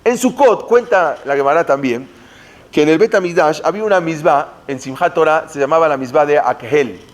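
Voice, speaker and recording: A man's voice: a little high, normal speed. A man teaching Jewish history, telling the story dramatically and mixing in Hebrew terms. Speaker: Torah teacher.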